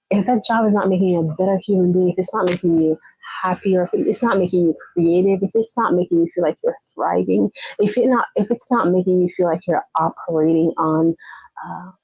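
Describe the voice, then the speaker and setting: Encouraging woman, lowish voice. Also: warm tone, slightly rough, no echo, rough recording. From Jamaica. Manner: encouraging, repeats herself, often checks in with okay. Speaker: live stream host. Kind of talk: casual motivational live chat.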